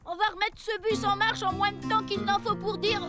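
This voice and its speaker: Very high-pitched, excitable tiny cartoon mechanic. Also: female voice, fairly quick. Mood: busy, excited. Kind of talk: French cartoon dub acting. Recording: loud music under the voice.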